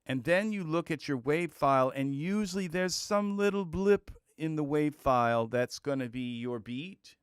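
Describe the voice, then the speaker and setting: A man hosting a music software tutorial, thinking aloud in a loose, chatty way and voicing beats with sound-words. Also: a little high, expressive, normal speed, few pauses, smooth, no room sound, clean studio sound. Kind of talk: screen-recorded software tutorial.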